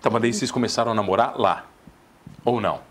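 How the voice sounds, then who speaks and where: A man's voice: on the low side, a crowd in the background. A man hosting a TV talk show, firing off teasing questions at his guest in a playful way. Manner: teasing, quick-fire questions. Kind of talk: playful interviewing. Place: TV studio.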